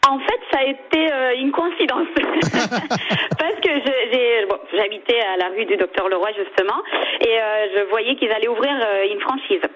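A woman's voice: a little high, moderate pace, a bit bright. A woman from Andalusia, a native Spanish speaker with a foreign Spanish accent, chatting as a guest in a radio interview. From Cadiz province, Andalusia, Spain. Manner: foreign accent in French, frequent giggles. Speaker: shop manager, interview guest. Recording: dull lo-fi sound with faint noise.

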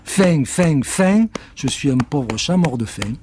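A man's voice: a little high, lively intonation, a little mellow, a little hiss or hum, pitched above the performer's own voice. A man voicing a cheeky, greedy male house cat who always complains of hunger, in a storybook reading. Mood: whiny. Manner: complaining, greedy, quick to protest.

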